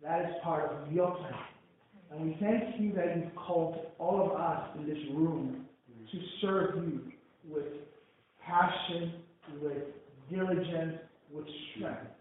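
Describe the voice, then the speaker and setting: A man with a Nigerian accent, a pastor leading a prayer and then reading scripture fervently, booming out the words of God. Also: slow pace, slight background noise. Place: large church hall. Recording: echoey hall, far from mic, phone-like band.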